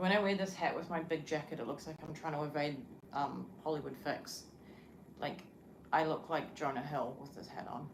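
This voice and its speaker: Someone with a New Zealand accent speaks at a moderate pace amid noticeable background noise and audible room echo. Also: woman, very deep, low pitch for a woman. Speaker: livestreamer. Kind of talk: casual chat. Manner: animated.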